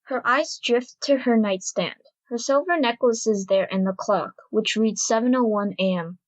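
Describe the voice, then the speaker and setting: High-voiced woman narrating a story. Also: normal speed, lo-fi sound. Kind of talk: scripted present-tense story narration.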